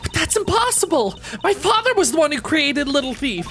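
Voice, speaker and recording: Plucky, indignant girl heroine put on by a streamer, raised pitch, impassioned, video game drama. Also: very animated, fairly quick, fairly bright tone, soft background music, exaggerated voice. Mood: defiant. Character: spirited, defiant young girl thief. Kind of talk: video game dialogue read aloud.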